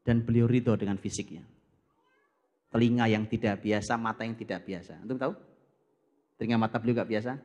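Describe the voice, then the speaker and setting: A man preaching from scripture, lively and direct, who often turns to his listeners and acts out little dialogues. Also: fairly low pitch, fairly quick, pauses often, lo-fi sound. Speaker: Islamic preacher. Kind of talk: Quran study talk.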